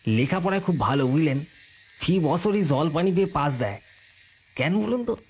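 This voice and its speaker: Guy doing a shy young farm lad in an audio story, kinda high voice, polite and hesitant, crickets faint behind. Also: animated, moderate pace, darkish tone, slight background noise. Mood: deferential. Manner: respectful, hesitant, stammers when afraid. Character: humble young village farmer, deferential.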